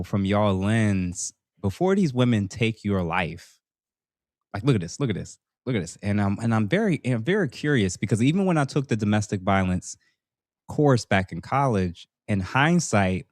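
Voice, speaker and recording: A man's voice: fairly low pitch, a little mellow, no room sound, studio quality. A man hosting a casual podcast panel discussion, thinking aloud with fillers and restarts. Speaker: podcast host.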